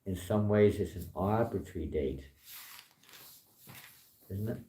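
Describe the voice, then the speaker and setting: A man with a hoarse voice giving an informal temple talk with dry, wry humor. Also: low-pitched, unhurried, dark tone. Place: temple hall. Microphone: distant room mic, later handheld. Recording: echoey hall from far off.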